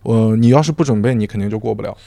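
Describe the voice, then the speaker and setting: A man's voice: on the low side, racing, gravelly, dry recording. A man from Xinjiang, China, a podcast guest telling a story in casual chat and acting out quoted dialogue. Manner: animated, acts out quoted dialogue.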